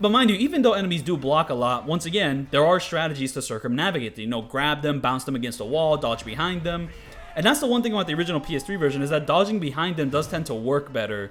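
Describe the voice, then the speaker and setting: Music plays in the background as a man talks at a very fast pace with hardly any pauses. His pitch is fairly high and his intonation lively. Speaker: gaming YouTuber. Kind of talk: gameplay commentary. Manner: casual, filler-heavy.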